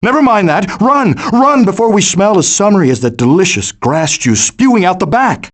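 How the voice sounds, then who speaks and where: A hammy middle-aged possum father from a cartoon game. His voice is high and swoops widely as he declaims everything with pompous, theatrical flourish. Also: sing-song, normal speed. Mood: urgent, excited. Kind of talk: animated video game voice acting.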